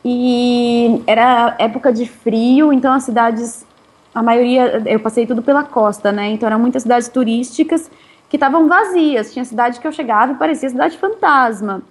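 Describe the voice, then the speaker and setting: Woman, touring cyclist, interviewee; casual and chatty, laughs easily, slightly high voice. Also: normal speed. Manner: chatty, laughs often, relaxed slang.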